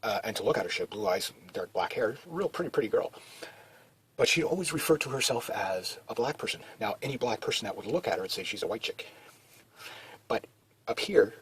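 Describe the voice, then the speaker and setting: A man's voice: lowish voice, lively intonation, a little fast, husky, low-quality recording. A man talking in a rambling, casual monologue, full of restarts and fillers. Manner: meandering, many restarts and "you know" fillers. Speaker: video blogger.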